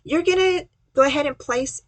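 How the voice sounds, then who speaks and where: A woman's voice: high-pitched, normal speed, dry recording. A woman giving casual, chatty step-by-step instructions in a folksy way, as the host of a craft tutorial.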